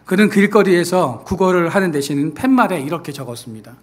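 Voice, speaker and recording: Earnest male pastor with a slightly high voice. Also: animated, a little fast. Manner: acts out quoted voices, then drops to a soft earnest tone. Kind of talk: sermon. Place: church sanctuary.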